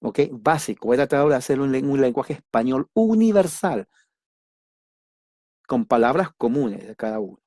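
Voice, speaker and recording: A man teaching a church doctrine class, speaking deliberately in simple words and repeating key words for emphasis. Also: medium pitch, expressive, darkish tone, no echo, studio quality. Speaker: Bible study teacher.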